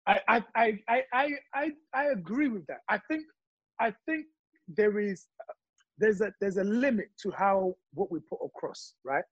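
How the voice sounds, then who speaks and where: A man from Congo talking passionately in casual chat, telling his views with animated stories. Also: high voice, moderate pace, slightly rough, no echo, lo-fi sound.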